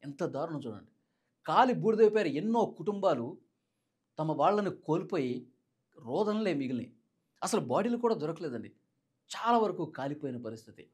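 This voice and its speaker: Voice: medium pitch, very animated, moderate pace, pauses often, a little mellow, slightly rough. A Telugu news presenter giving explanatory commentary in a dramatic, emphatic manner, repeating key points.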